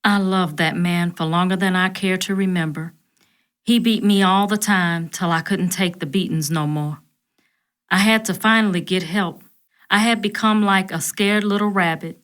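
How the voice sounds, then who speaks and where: A woman voicing a hurt, fragile singer, speaking in a slow drawl through tears. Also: lowish voice, fairly even intonation, a bit bright, clear, resonant tone, close to an everyday voice. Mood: sorrowful. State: tearful.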